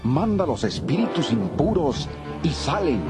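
Amazed villager, super animated questioning, bible audio drama, loud music under it. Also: male voice, a little high, a little slow. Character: astonished townsman in a synagogue crowd.

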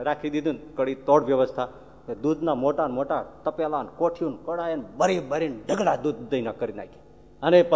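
A male preacher telling devotional stories in an animated way, acting out the characters and speaking directly to his audience. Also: medium pitch, lo-fi sound. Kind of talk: devotional storytelling sermon. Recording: long hall reverb.

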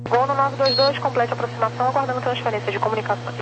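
A woman's voice: high-pitched, steady tone, rapid-fire. A Brazilian woman working as an air traffic controller, giving clipped procedural instructions over the radio.

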